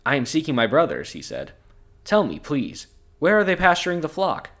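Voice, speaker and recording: A man's voice: on the high side, huge pitch swings, moderate pace, fairly bright tone. A man co-hosting a podcast, reading scripture aloud and breaking off into crude jokes and frequent laughter. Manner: laughs often, crude and joking. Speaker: podcast co-host.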